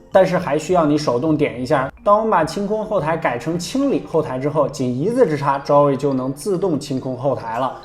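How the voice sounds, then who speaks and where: Male tech review host: brisk, lively-pitched scripted narrator with a playful, wry edge.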